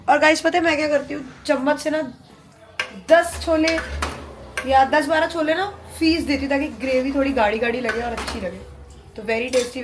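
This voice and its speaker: A woman's voice: a little high, background noise. A woman vlogging in a chatty way, talking straight to her viewers while she cooks and shops. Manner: chatty, addresses viewers as guys. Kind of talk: casual vlog chat to camera.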